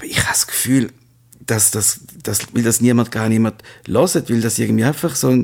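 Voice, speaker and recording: With vocal fry in his voice, a man speaks at a medium pitch and a moderate pace. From Switzerland, St. Gallen. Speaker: podcast co-host. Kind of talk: casual chat. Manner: animated.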